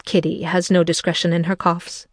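A woman voicing a sarcastic middle-aged gentleman and father in an audiobook, dry, measured and mock-solemn. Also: on the low side, level tone, no echo, close to an everyday voice. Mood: wry.

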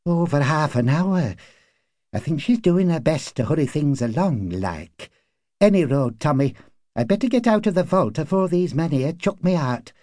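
A man's voice: on the high side, sing-song, normal speed, dark tone, no echo, studio quality, voice pushed up. A man voicing an anxious, deferential working-class woman neighbour in an audiobook, with urgent, hesitant, colloquial speech. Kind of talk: audiobook character acting.

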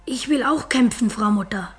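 A woman's voice: on the high side, normal speed, soft background music, natural voice. A woman playing an eager, obedient young boy who speaks earnestly and politely in a radio drama. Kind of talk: German radio play acting.

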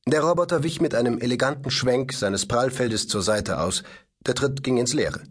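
A man narrating a science-fiction audiobook in an expressive, scripted storytelling delivery. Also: medium pitch, moderate pace, slightly rough.

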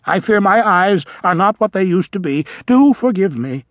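A man's voice: high-pitched, animated, normal speed, no room sound, dull audio, pitched above the performer's own voice. A man voicing an elderly, nearsighted male vole who is fussy, apologetic and old-fashioned in speech. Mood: flustered. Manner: flustered, polite, old-fashioned phrasing. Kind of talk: audiobook character voice.

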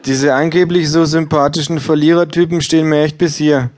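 A man voicing an indifferent female bookseller in a live comedic reading, speaking in a flat, offhand way. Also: on the high side, a little fast, some chatter behind, pitched above the performer's own voice, natural voice. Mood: deadpan.

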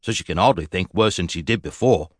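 A man voicing a rough-edged, plain-spoken husband who brooks no argument. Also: deep voice, fast, no room sound, clean studio sound. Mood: blunt. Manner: blunt, gruff, plain-spoken. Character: blunt, rough-edged self-made husband.

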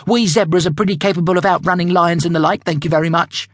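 A man's voice: high voice, fairly even intonation, fast talker, dry recording, clean studio sound, pitched above the performer's own voice. A man voicing a stubborn, whiny young male zebra in a storybook reading, petulant and snappy. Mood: defiant.

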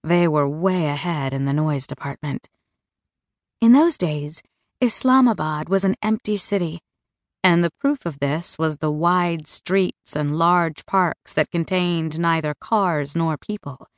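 A woman reading a first-person novel aloud as an audiobook narrator, in a measured, even storytelling manner. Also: low voice, no echo, studio quality. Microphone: close studio mic.

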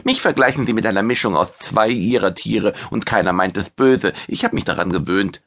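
A man's voice: lowish voice, fairly quick, creaky, fairly bright tone. Man voicing a small chatty mousebeaver alien. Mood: easygoing.

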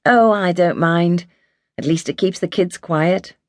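A woman's voice: on the low side, measured pace, no echo, clean studio sound, lightly acted. A woman reading the part of a cross, stubborn older woman who feels unwell. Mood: cross, weary.

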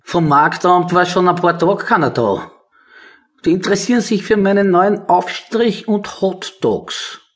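An actor playing a chatty, proud snack-shop owner in a radio play, speaking colloquially with an Austrian accent. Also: male voice, sits high, a little slow. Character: talkative male snack-shop owner, proud of odd creations.

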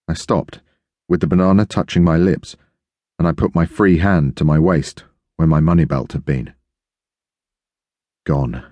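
A man narrating an audiobook in the first person, steady and measured. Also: low voice, dry recording.

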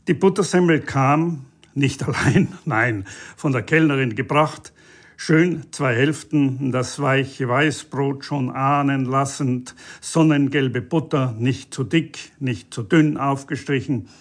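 A man narrating a satirical short story for an audiobook in a measured, deliberate way. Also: mid-range voice.

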